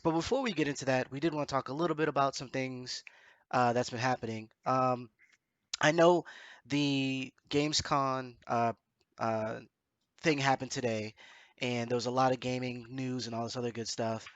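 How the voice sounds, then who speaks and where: A man's voice: medium pitch, fairly even intonation, normal speed, no room sound, highs cut off. A man hosting a podcast in casual chat, rambling and correcting himself, his nose congested from allergies. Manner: hesitant, self-correcting, rambling. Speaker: podcast host.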